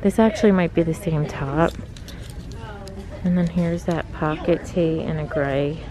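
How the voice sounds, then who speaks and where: A shopping vlogger films from behind a handheld camera inside a large retail clothing store, giving casual, chatty shop-with-me commentary and thinking aloud. Her voice is low and a little slow. The audio is poor, with faint background noise and store ambience.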